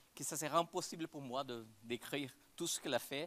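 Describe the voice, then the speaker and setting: A man with a Brazilian accent talks at a moderate pace with lively intonation. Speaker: business school professor. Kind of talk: speaker introduction.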